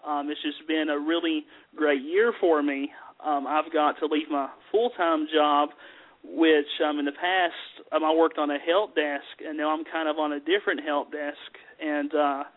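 A man's voice: fairly high pitch, flat delivery, measured pace. A man with a Southern American accent, a psychic medium guest talking in an easygoing, folksy way with many fillers. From Southern US mountains. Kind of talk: casual chat. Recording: tinny phone line.

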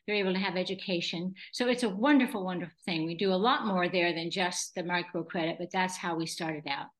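A woman's voice: on the low side, fairly quick, low-quality recording. A woman in her eighties from Southern California, a gracious, enthusiastic guest chatting in an interview and laughing easily. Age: 80s. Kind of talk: casual interview chat.

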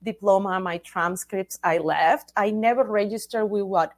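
Cuban-born woman in her 40s chatting as a guest, middle pitch, steady and measured with a few uhs. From Cuba. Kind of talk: casual interview chat.

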